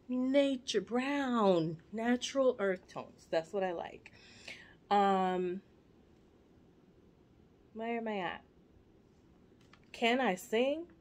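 A woman in her forties, born in Jamaica and raised in the United States, chatting at home to the camera in a rambling, playful way with asides to her viewers. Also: fairly low pitch. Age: 40s. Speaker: vlogger. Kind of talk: casual chat to camera. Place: living room at home. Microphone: camera at arm's length.

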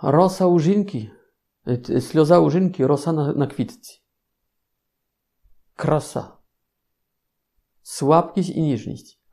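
Slow, gravelly friar with Polish accent. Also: male voice, a little high, mellow. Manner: playful, ironic asides to listeners. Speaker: Capuchin friar preacher. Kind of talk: informal sermon talk.

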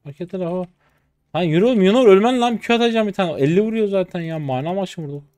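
A man in his twenties streaming his gameplay, chatty and excitable, trash talking in slang and breaking into sudden high-pitched outbursts. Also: rapid-fire, no room sound. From Turkey. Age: 20s. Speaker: game streamer. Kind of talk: live gameplay commentary.

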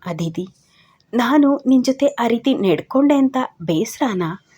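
A woman voicing a sorrowful young man who pleads softly with the woman he loves in an audio story. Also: a little high, lively intonation, a little slow, breathy edge. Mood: pleading.

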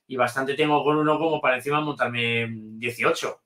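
A hesitant man speaks as a guest in a casual chat. His voice is bright, and it rings with a roomy echo. He halts and restarts often. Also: medium pitch, steady tone, moderate pace. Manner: hesitant, full of restarts and fillers. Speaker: guest, channel manager.

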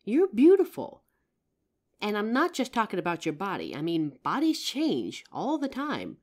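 A woman acts out a protective, affectionate girlfriend in an intimate audio roleplay. She takes her time over the words, and her pitch moves in lively swings. The manner is tender, earnest and a little teasing. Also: unhurried. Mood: indignant, protective. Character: loving, protective girlfriend reassuring her partner. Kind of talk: intimate comfort roleplay, ASMR acting.

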